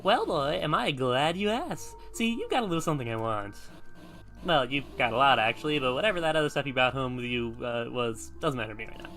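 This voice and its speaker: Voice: medium pitch, animated, fairly quick, fairly bright tone, faint music behind. An actor voicing a mischievous white rabbit in a video game, flirtatious and taunting as it schemes and pushes. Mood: flirty, smug. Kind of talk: video game cutscene acting.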